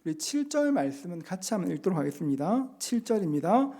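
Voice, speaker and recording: Earnest man preaching, mellow voice. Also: sits high, very animated. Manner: earnest, slows to read scripture and act out quotes. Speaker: pastor. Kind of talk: sermon. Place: church sanctuary.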